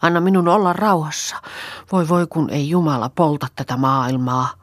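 A woman's voice: deep voice, steady tone, no echo, lightly acted. A woman reading an audiobook, voicing a distraught young woman who speaks through sobs. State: sobbing.

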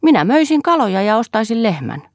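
An eager little boy speaks up high and hopeful, a woman reader putting him on. The voice is lifted well above her own, with a gravelly edge. It sounds dry and close in a storybook reading. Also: very animated, dry recording. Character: small eager boy dreaming of work.

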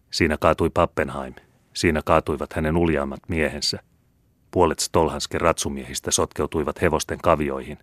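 A man reading a classic novel aloud as an audiobook narrator, in a measured, even manner. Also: very deep voice, dry recording, clean studio sound. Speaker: audiobook reader. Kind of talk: scripted literary audiobook narration.

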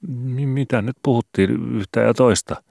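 A man's voice: mid-range voice, creaky, darkish tone, dry recording, clean studio sound, voice pushed up. A man voicing a hesitant, scheming grown son who stammers and hedges, in an audiobook reading. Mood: stammering. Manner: stammering, hedging, wheedling. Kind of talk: audiobook character voice.

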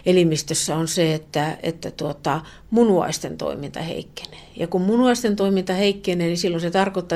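Earnest woman professor explaining. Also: fairly low pitch. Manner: earnest explaining, many fillers and restarts, trails off softly. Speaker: professor, expert guest. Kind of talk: radio interview.

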